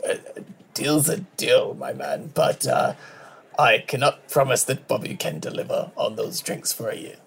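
A man's voice: mid-range voice, unhurried, vocal fry, slightly rough. A man playing a tabletop game, speaking hesitantly with plenty of fillers. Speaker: player.

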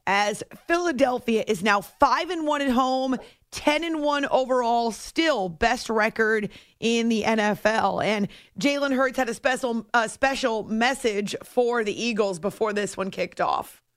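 A woman hosting a late-night sports radio show, talking through results in a chatty way with quick asides. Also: fairly high pitch, dry recording, studio quality. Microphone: studio microphone.

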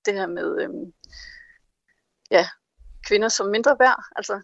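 On a muffled recording with no echo, a woman author with a creaky, mid-range voice reads passages from her novel during an interview. When she speaks off the cuff, she's hesitant and uses many fillers.

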